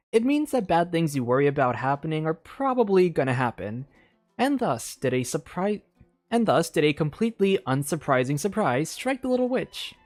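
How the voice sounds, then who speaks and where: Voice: mid-range voice, a little mellow. A streamer with a mid-range voice reads a game story aloud over music. The delivery is informal, mixing storybook narration with chatty asides and the odd repeated word. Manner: informal, self-commenting, stumbles and repeats words while reading. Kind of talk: casual livestream chat mixed with read-aloud storytelling.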